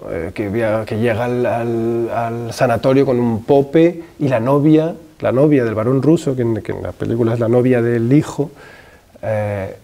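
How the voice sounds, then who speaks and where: Gravelly-voiced man, hesitant and reflective. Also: mid-range voice, a little slow, dark tone. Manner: hesitant, many restarts and fillers, thinks aloud; gestures with his hands as he talks. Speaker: film director. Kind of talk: interview answers. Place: room with wooden shelves, indoors.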